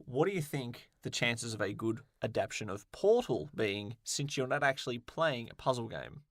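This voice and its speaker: A man's voice: mid-range voice, big pitch swings, normal speed, dry recording, clean studio sound. A man co-hosting a podcast, putting questions in a playful, jokey, casual way. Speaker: podcast co-host asking questions. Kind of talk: casual banter.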